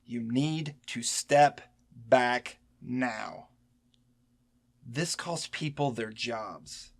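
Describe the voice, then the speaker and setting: A man's voice: mid-range voice, drawn-out words, gravelly, heavily acted. A man playing a weary, stern but protective senior agent in an audio drama, speaking in a cautioning way. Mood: weary, concerned.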